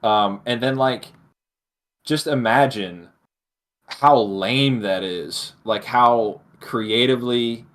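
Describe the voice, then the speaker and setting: A man's voice: mid-range voice, slow pace, a bit bright. A man co-hosting a podcast, giving his opinions in casual conversation. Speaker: podcast co-host.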